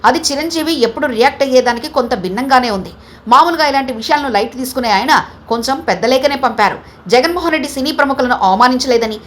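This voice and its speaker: A woman reading a scripted news report in a brisk, even newsreader manner. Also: sits high. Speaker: news reader.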